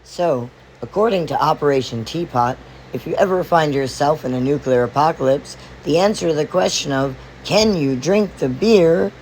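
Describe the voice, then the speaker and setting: A hoarse man losing his voice, narrating a playful explainer vlog as its host. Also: a little high, normal speed, slight background noise, poor audio. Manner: animated, playful storytelling. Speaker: video host.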